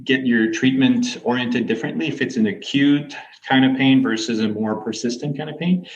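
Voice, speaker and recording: A man's voice: medium pitch, normal speed, slight background noise. A man, a physiotherapist and researcher, explaining his ideas fluently and evenly as a guest in a podcast interview. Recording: dull lo-fi audio.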